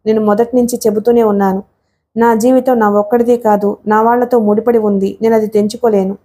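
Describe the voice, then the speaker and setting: A woman reading the part of an angry young husband caught between his wife and his mother, speaking fast and heated. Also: on the high side, little pitch movement, lightly acted. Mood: stern, resigned. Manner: shouting in frustration, rapid.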